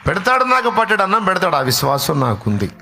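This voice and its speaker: A man preaching a sermon, acting out scolding relatives in a dramatic voice that swings between loud anger and soft replies. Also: high-pitched, huge pitch swings, fast, gravelly, faint music behind.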